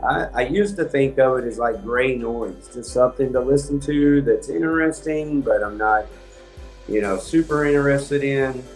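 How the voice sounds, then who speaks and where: A man, hosting a livestream and rambling in a calm monotone with many ums. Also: mid-range voice, normal speed, reverberant, faint music behind, poor audio. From Texas. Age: 50s. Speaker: house painting business owner hosting a livestream. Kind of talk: rambling casual livestream talk.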